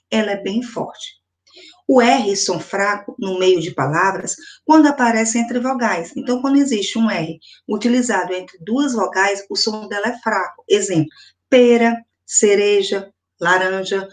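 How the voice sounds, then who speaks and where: A woman with a Brazilian accent teaching a first-grade video lesson, speaking slowly and emphatically and repeating each example word. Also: mid-range voice. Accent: Brazilian Portuguese. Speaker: primary school teacher.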